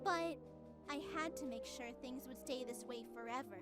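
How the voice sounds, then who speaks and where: A woman's voice: sits high, normal speed, loud music behind the voice, natural voice. A woman playing a cheerful but tyrannical, self-righteous artificial being, narrating a scripted visual novel. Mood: breezy, smug.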